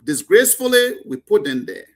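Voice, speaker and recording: A man's voice: sits high, big pitch swings, moderate pace. A man with a Liberian accent, speaking as a panel guest in a heated political talk show, impassioned and emphatic with stumbling restarts.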